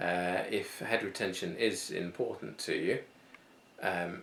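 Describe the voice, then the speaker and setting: A man's voice with audible room echo. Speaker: home brewer. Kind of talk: casual vlog monologue. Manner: hesitant, many fillers.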